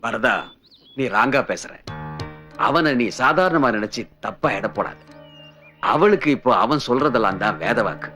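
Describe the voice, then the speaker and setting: An actor playing a calm, cunning elder who lectures and plots in a film drama. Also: male voice, medium pitch, normal speed, long pauses, faint music behind. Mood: plotting. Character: calm scheming male elder, cunning plotter.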